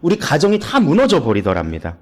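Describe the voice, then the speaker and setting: Earnest young male preacher, lively pitch. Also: a little fast. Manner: earnest, emotional preaching that drops soft and low on hard moments. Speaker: junior pastor. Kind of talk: sermon. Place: church.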